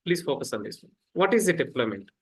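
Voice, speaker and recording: Man, online instructor, higher pitch, repetitive, call-and-response teaching over computer mic. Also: very animated, quick pace, slightly rough. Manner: repetitive, fillers like "actually", quizzes students. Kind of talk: live online lecture. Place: home, rain outside.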